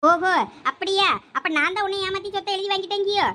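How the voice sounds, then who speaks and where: A woman with a Thoothukudi Tamil accent voicing a sharp-tongued middle-aged elder sister in a cartoon family drama, scolding quickly and defiantly. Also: very high voice, steady tone.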